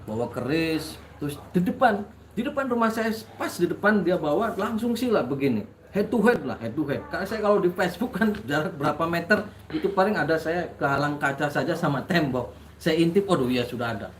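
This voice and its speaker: A man's voice: a little high, lively intonation, brisk, a little hiss or hum. A man who works as a spiritual practitioner, telling a dramatic personal story to his listeners with frequent restarts.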